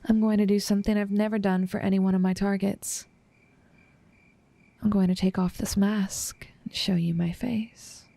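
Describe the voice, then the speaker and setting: A woman playing an infatuated assassin in an intimate audio roleplay, composed and menacing yet tender, speaking softly and often slipping into whispers. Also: mid-range voice, little pitch movement, creaky, close to an everyday voice. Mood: hushed threat. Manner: soft, unhurried delivery slipping often into whispers.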